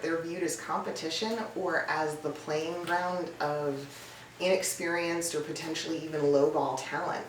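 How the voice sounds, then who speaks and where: A woman giving emphatic, blunt, conversational advice as a coach, talking straight to her viewers. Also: low voice. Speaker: voice-over coach and casting professional. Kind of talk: direct-to-camera advice video, tips list. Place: indoor room with a cat nearby. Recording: roomy, distant mic, some background noise.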